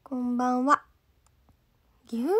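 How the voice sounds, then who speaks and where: An idol trainee from Gifu, Japan, is casually chatting with fans on a livestream, reading their comments aloud in mostly standard Japanese with a light Gifu accent. Her voice sits slightly high and moves slowly with fairly even intonation. She rambles, drifts off her point, and uses "nanka" as filler a lot.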